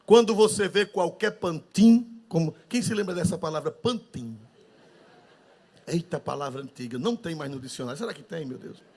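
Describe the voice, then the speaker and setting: An older man preaching a sermon with a Northeastern Brazilian accent, fervent, calling out hallelujahs and swinging between loud and hushed. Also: fairly high pitch, expressive, normal speed. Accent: Northeastern Brazilian Portuguese. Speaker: pastor.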